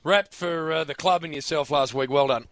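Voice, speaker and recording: A man's voice: on the high side, moderate pace, fairly bright tone, no echo. A man co-hosting a radio show, joking in casual banter.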